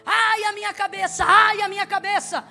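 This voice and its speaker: A small boy wails in pain, high and loud, crying out again and again, as a woman preacher acts him out. The cries sit very high, with faint music underneath. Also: flat delivery, normal speed, in a large hall, heavily acted. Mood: wailing in pain. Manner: wailing, repeated cries.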